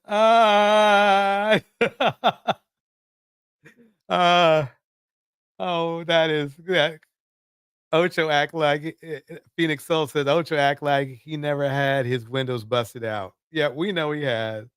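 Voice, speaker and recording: Fairly high-pitched man reacting casually, dry sound. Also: steady tone, slow, a bit bright, clear, resonant tone, no room sound. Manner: chuckling, repeats himself for emphasis. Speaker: reaction show host. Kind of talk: casual live reaction commentary.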